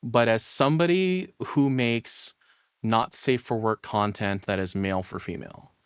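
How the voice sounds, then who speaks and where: A man's voice: lowish voice, measured pace, smooth, no echo, studio quality. An American man rambling casually on a livestream, often interrupting himself and swearing mildly. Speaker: streamer reacting to a video; voice actor.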